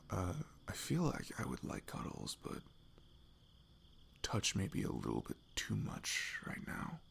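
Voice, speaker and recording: A man acting as a sweet, shy best friend in an ASMR roleplay. His soft voice swings expressively and often sinks toward a whisper, with hesitant, tender phrasing. Faint night insects sit behind him. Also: fairly low pitch, creaky, slight background noise, full character voice. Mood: shy, grateful. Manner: hesitant, halting, chatty and tender. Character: sweet, nerdy male best friend, shyly affectionate. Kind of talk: intimate ASMR roleplay, soft improvised-sounding talk.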